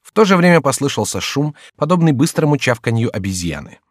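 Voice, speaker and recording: A man narrating a classic novel in a measured, even storytelling manner for an audiobook. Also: mid-range voice, no room sound, clean studio sound. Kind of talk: scripted literary narration. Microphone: close studio mic.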